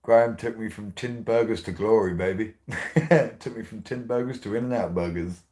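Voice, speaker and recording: Low-voiced excitable man. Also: moderate pace. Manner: excitable, rambling, laughs often, swears. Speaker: radio host. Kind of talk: casual monologue.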